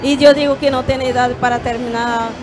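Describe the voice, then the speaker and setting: A Brazilian woman yoga teacher speaking Spanish in a gentle, measured way with small hesitations, on a handheld mic at a fair stand. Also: high voice, steady tone, over music. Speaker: yoga teacher and holistic therapist. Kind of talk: calm explanatory interview answers. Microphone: handheld microphone.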